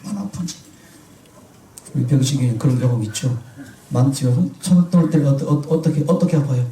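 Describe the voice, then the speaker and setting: A man's voice: mid-range voice, fast, warm tone, reverberant, far from the mic, a little hiss or hum, rough recording. A man preaching a sermon who keeps asking his congregation questions and then answering them himself. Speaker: pastor.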